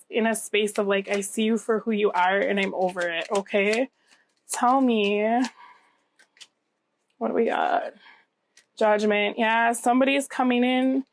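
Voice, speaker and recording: A woman with a cold giving a casual tarot reading, slightly scratchy and nasal, conversational and often checking in with the listener. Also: a little high. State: getting over a cold. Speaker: tarot reader, channel host.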